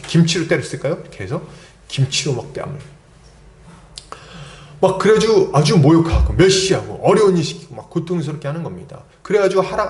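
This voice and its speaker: Animated man preaching in an echoey hall. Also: fairly high pitch. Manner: animated, acts out the characters' angry lines. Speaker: pastor. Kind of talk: expository sermon. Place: church.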